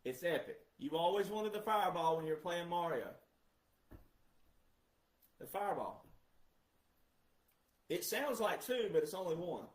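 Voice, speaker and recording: A man's voice: sits high, animated, unhurried, long pauses, roomy sound, low-quality recording. A man speaking in an emphatic monologue, asking rhetorical questions and answering them himself and repeating key words for stress. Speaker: commentator. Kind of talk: monologue commentary.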